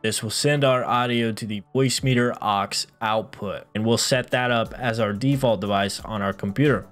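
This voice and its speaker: A man in his thirties hosting a software tutorial, explaining things methodically step by step in an instructional style. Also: lowish voice, normal speed. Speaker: tutorial host. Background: background music.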